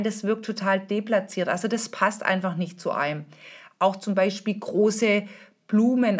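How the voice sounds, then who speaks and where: A middle-aged woman hosting a podcast as a style consultant, explaining in a chatty, informal way with many fillers and restarts. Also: mid-range voice. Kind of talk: casual explanatory podcast talk.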